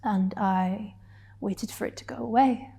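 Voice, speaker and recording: A woman performing a dramatic stage monologue as a hurt, defiant gay woman confronting her partner, deliberately and with heavy pauses. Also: medium pitch, steady tone, creaky, dark tone, breathy edge, heavily acted. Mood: hushed, confessional.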